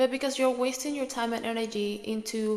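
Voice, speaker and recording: A woman with a Spanish accent speaks at a moderate pace over noticeable background noise. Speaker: motivational YouTuber. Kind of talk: motivational talk to camera. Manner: animated.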